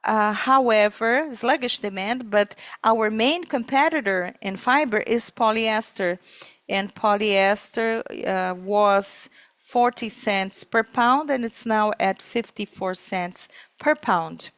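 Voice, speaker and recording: A woman interpreting live on a corporate earnings call, speaking in halting, piecemeal phrases. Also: medium pitch, a bit bright, no echo. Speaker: simultaneous interpreter.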